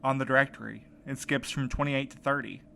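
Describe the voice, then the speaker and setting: A man plays an earnest, determined man desperate to find his missing husband. His voice sits at a middle pitch and is hesitant in delivery. It is an audio drama scene with clear ambient noise behind him. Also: fairly even intonation, fairly quick, sharp tone. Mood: tense, focused. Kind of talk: audio drama podcast acting. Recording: clear background noise, ambient sound bed.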